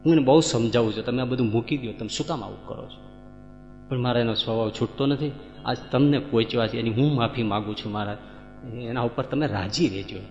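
A man voicing a tearful devout wife, pleading softly. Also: medium pitch, fairly quick, voice pushed down, lightly acted. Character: grieving devout woman pleading for her husband. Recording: echoey hall, dull sound, faint music.

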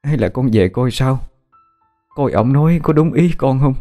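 A man's voice: expressive, normal speed, warm tone, soft background music, lightly acted. A man voicing a grieving middle-aged mother who talks sadly. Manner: sad, low-spirited.

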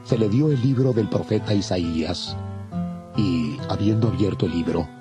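A man narrating a dramatized audio Bible in a measured, formal way. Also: fairly low pitch, over music.

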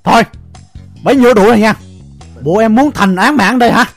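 An actor with a Southern Vietnamese accent playing a timid husband who pleads in a flustered way in an audio drama. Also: male voice, high voice, brisk, faint music behind. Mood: pleading. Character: harried timid husband caught between two women.

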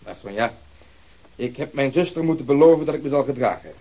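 A blunt police detective with a husky, breathy edge,. He is impatient and sarcastic. His lines come fast and mocking. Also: medium pitch, expressive, dark tone, low-quality recording. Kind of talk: radio play acting.

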